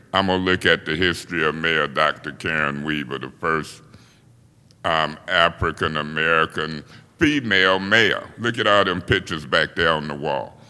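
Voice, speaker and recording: A man's voice: low voice, bright, forceful tone, clean tone, big-room sound. A man chairing a city council meeting as its president, speaking in an informal, folksy way in council chambers. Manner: informal, folksy speech with plain talk.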